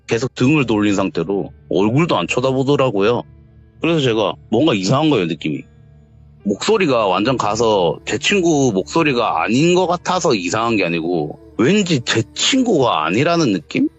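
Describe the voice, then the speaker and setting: A man's voice: big pitch swings, normal speed. A man, recounting a ghost story in casual talk and acting out the voices in it. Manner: acts out quoted lines, shouting in a raised pitch. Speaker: interviewee telling a true ghost story. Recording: dull lo-fi sound with faint music.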